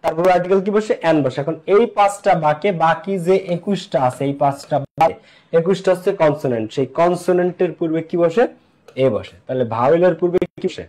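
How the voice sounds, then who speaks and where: A man's voice: on the high side, a little mellow. Man teaching an English class. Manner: asks and answers his own questions, repeats key points; slows down to spell out English examples. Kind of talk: online class lecture.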